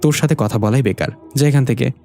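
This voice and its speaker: A bumbling young sidekick who gets scared easily and pleads when he is flustered, as a male storyteller plays him. His voice is mellow and warm, with faint music underneath. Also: mid-range voice, fast talker, gravelly, lightly acted. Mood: quarrelsome.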